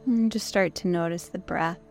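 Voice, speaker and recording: A woman with a hoarse, worn-down voice, hosting a podcast and gently guiding a yoga nidra meditation with soft, slow instructions and long pauses. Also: fairly low pitch. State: hoarse, losing her voice. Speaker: podcast host and meditation guide.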